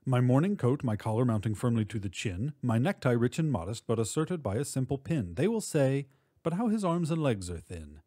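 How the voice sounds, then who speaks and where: A man giving an expressive, measured recitation of literary poetry, drawing out words for emphasis. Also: mid-range voice, no room sound, clean studio sound. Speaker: poetry reader.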